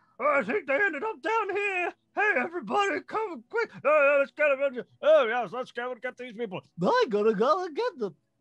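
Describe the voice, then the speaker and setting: A man shouting in a put-on character voice, extremely high in pitch, with very wide pitch swings and a fairly quick pace. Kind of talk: comic overacting. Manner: excited, shouting.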